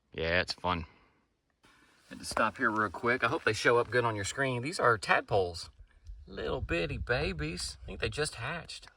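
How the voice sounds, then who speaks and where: This bright, sharp voice carries vocal fry at a moderate pace. The recording is very clean with a silent background. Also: man, medium pitch for a man, lively intonation. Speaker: hiking vlogger. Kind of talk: casual vlog narration outdoors. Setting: outdoors on a hiking trail. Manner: casual, joking.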